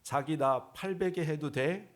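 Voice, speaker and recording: A man's voice: fairly high pitch, a little slow, lightly acted. A man voicing a sweet Seoul wife asking her husband cutesy questions. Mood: flirty.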